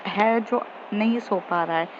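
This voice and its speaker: A woman voicing a cheeky, teasing younger sister who speaks softly and slowly, with a knowing tone. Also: mid-range voice, lo-fi sound, noisy background, close to an everyday voice. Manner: soft, slow and knowing.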